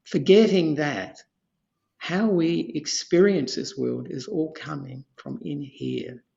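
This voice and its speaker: An Australian Buddhist monk in his seventies, giving an unhurried teaching talk as a podcast guest, rambling and repeating phrases with soft chuckles. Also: a little high, creaky, muffled recording. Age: 70s.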